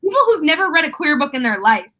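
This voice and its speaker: A woman's voice: sits high, sing-song, quick pace, bright, forceful tone. A young American woman co-hosting a casual book chat, gushing and playfully dramatic. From United States. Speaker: co-host of a book discussion live stream.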